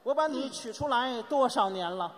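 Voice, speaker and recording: A man's voice: extremely high pitch, animated, a bit bright, a little hiss or hum. A man doing a pompous old squire. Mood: pompous scolding. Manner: drawn-out, old-fashioned stage declaiming. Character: pompous old male country squire, scolding. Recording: hall reverb from live theater.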